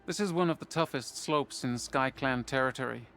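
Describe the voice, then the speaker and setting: An actor playing a stern but fair tribal soldier commander in a video game, speaking in a measured, matter-of-fact way. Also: male voice, mid-range voice, fairly bright tone, faint music behind, lightly acted. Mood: explanatory. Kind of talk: video game character acting.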